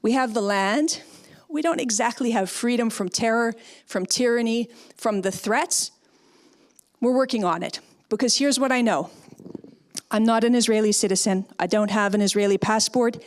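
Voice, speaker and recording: A woman's voice: on the high side, moderate pace. A middle-aged woman from Canada, a former speechwriter, giving an emphatic, persuasive talk and answering audience questions. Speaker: guest speaker, former speechwriter.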